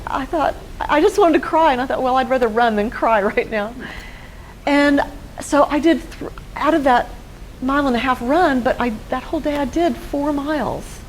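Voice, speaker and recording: A Texas woman in her fifties, appearing as a guest in a studio interview, earnestly recounts her own story as personal testimony and acts out quoted dialogue. Her voice is high-pitched, and the poor audio carries a little hiss or hum.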